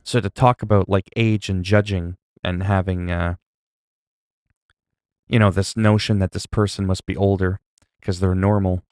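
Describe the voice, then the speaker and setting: A man's voice: low-pitched, little pitch movement, moderate pace, darkish tone, smooth, no room sound, clean studio sound. A man in his forties chatting casually on a livestream, reading viewers' messages aloud and answering them in a rambling way. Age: 40s.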